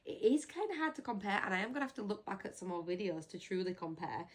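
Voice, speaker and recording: A native English-speaking woman chats casually as a parent vlogger, answering viewer questions. Her medium-pitched voice is sing-song and quick, and she teases and laughs easily.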